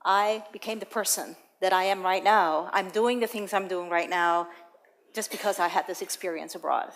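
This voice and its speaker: A woman from the Netherlands speaks from a stage, telling her own experiences in a personal way. Her voice sits at an ordinary middle pitch, and she talks in a steady, prepared manner. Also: normal speed. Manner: personal, storytelling, lively anecdotes. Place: auditorium stage.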